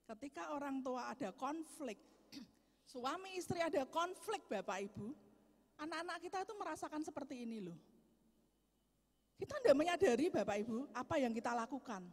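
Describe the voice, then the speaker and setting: A woman preaching a sermon, telling stories loudly and with lots of life to a congregation. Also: high voice, moderate pace. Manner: loud, lively storytelling. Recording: echoey hall.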